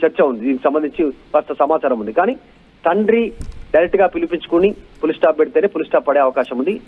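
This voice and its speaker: A man's voice: a little high, phone-quality sound. A man giving unscripted live news analysis, building points through repeated lists and rhetorical questions.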